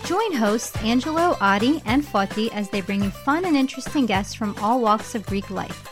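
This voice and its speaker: Woman reading a show intro, kinda high voice, music clearly playing under it. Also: animated, normal speed. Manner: polished, inviting read. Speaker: show announcer. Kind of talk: scripted promo announcement. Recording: announcement over music.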